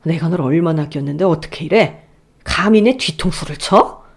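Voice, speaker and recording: A woman voicing a wealthy older father who scolds and sneers at his son-in-law in a lowered, gruff voice, as a story reader. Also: very animated, normal speed. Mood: furious. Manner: gruff, sneering, shouting insults. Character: furious rich old father, blunt and scolding.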